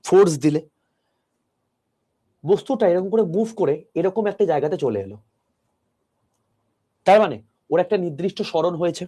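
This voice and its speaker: A man teaching an online physics class, talking softly into a close mic and explaining step by step with questions to his students. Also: sits high, lively intonation, normal speed, long pauses.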